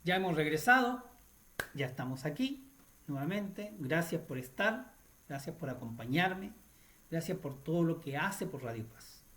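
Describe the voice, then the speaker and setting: A man's voice: on the high side, very animated, a little slow, fairly bright tone, faint music behind. A man hosting a Catholic radio program, retelling a story in a chatty teaching style, often tacking "right?" onto his sentences and restarting phrases. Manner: adds tag questions like "right?", with restarts.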